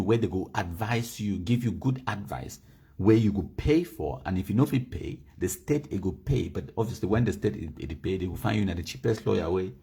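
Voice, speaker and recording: A man's voice: lowish voice, darkish tone, slightly rough. A man from Cameroon with a Cameroonian Pidgin English accent, hosting a live broadcast and reading legal text aloud to his viewers. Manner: mixes Pidgin and English, reads documents slowly and stresses key words; addresses viewers directly, asks them to type comments. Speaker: livestream host.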